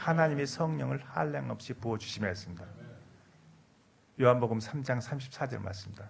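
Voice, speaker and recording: A man speaks at a medium pitch and fairly quick pace, with very wide pitch swings and vocal fry. Long pauses come often, and room echo is audible. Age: 60s. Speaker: missionary preacher. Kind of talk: sermon.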